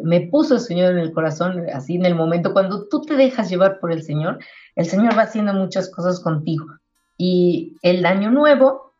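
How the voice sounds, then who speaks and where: A woman's voice: fairly low pitch, muffled recording. A woman, a Christian singer on the radio, telling a personal faith story and urging listeners with religious fervor. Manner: warm storytelling with religious exhortation. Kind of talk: spiritual testimony on radio. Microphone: radio studio microphone.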